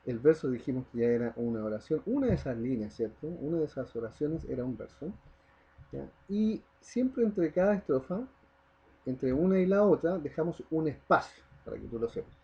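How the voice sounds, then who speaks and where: A man's voice: fairly high pitch, animated, moderate pace, darkish tone, husky, dull audio. A man teaching a primary school class, explaining step by step, stressing the example words and often checking in with the children. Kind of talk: recorded online class lesson.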